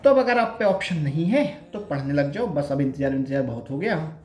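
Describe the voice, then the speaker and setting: A man's voice: fairly high pitch, sing-song, fairly quick, darkish tone, reverberant. A young man chatting casually to viewers with self-mocking humor, giving study advice as an exam aspirant. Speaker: bank exam aspirant vlogger.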